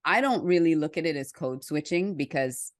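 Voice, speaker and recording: A woman from Trinidad with a notably low voice hosts a podcast, talking candidly and pronouncing each word clearly. Her voice sounds dry and close. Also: lively intonation, moderate pace, no room sound. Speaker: podcast host. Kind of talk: conversational podcast interview.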